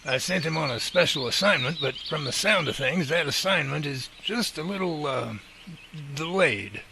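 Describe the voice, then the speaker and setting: An actor playing a feisty, folksy older professor with a blustery, sharp tongue in an audio drama. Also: male voice, fairly high pitch, animated, normal speed, gravelly. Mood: folksy, determined. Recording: noisy outdoor ambience with birds.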